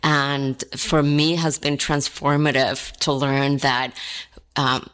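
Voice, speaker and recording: Low-voiced woman from Colombia, earnest. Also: flat delivery, takes it slowly, fairly bright tone, clear, resonant tone. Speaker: podcast co-host. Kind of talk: reflective conversational talk.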